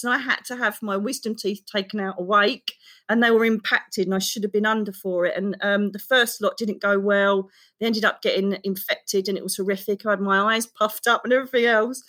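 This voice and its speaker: Emotional woman telling her story. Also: mid-range voice. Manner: emotional, expressive, fast-running storytelling. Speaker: guest author. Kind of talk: candid personal storytelling in an interview.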